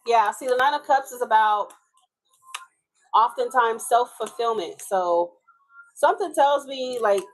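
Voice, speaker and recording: A woman's voice: on the high side, a little slow, pauses often, low-quality recording. Chatty Haitian-accented tarot reader woman. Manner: casual, chatty, swears and laughs often. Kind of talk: live tarot reading.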